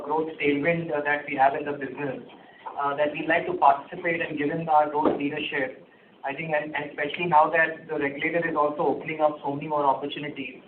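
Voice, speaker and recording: A man, a company executive, answering analyst questions on an earnings call in measured, halting phrases. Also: on the high side. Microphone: conference call phone line. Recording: echoey, noisy, phone-like conference line.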